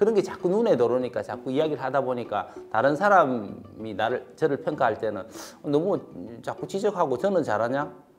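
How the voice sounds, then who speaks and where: Fairly quick speech from a man, fairly high in pitch with very wide swings, over background music. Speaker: network marketing distributor. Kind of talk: interview chat.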